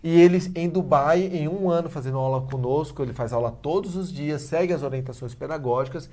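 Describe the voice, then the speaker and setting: A middle-aged man, a guest on a talk-show interview, explaining his teaching method in an animated, persuasive way. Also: fairly high pitch, fairly quick. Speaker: guest, head of a language school.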